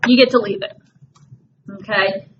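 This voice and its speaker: A woman's voice: medium pitch, steady tone, moderate pace. A woman math teacher working through a problem step by step, patient and reassuring with her class. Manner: patient, reassuring, walks through steps aloud. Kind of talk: classroom lesson. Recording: dull lo-fi classroom recording with faint hiss.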